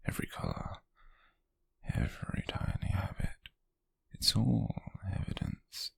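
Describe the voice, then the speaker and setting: Close to the microphone, a British man takes on the role of an obsessive, possessive stalker for ASMR, his whisper slow, breathy, raspy, teasing and sinister. The voice is on the low side with no echo, a full character performance that stays hushed and obsessive.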